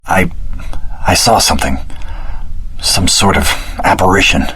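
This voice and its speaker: An actor playing an earnest, determined young swordsman hero in a video game, with a husky voice and a wry, dramatic delivery. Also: sits low, a little slow, pushed and bright, a little hiss or hum, low-quality recording. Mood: puzzled. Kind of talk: dramatic action-game character dialogue.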